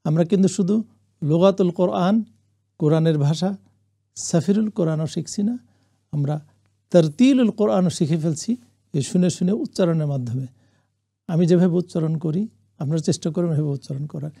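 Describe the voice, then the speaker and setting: A man teaching the meaning of Quranic Arabic words, reciting phrases slowly for listeners to repeat and adding English glosses. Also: fairly high pitch, gravelly, warm tone, husky. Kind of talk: classroom lesson on Quranic Arabic.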